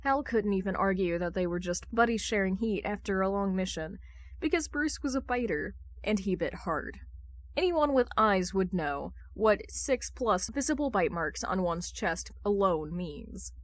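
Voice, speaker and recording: A woman's voice: medium pitch, lively intonation, measured pace, dry recording, clean studio sound. A woman reading fan fiction aloud as scripted audiobook-style narration. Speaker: podfic reader.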